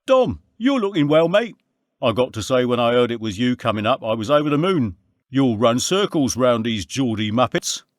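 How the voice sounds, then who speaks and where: A man's voice: mid-range voice, big pitch swings, normal speed, no room sound, studio quality, voice pushed up, natural voice. A man voicing a brash, teasing male character greeting old friends. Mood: cheery.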